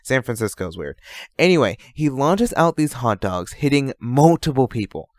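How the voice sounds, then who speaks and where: An eager young hero played by a man in an audio drama. He is chatty and friendly, with very lively intonation. The recording is close and dry. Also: medium pitch, normal speed, dry recording, close to an everyday voice. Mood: amused, chatty. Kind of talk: amateur audio drama acting.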